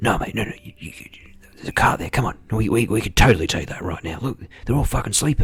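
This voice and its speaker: A man puts on a raspy character voice, talking quietly at a very fast pace. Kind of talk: casual, conspiratorial. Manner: hushed, whispering.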